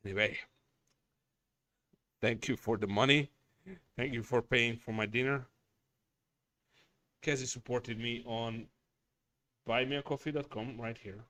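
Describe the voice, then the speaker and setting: A man with a bright, tense tone and a smooth, crisp voice runs a casual livestream. He talks in a slow, unhurried way, thanks viewers and wanders from topic to topic. His speech is blunt and profane. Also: medium pitch, no echo. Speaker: livestream host. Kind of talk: casual livestream chat reading viewer messages.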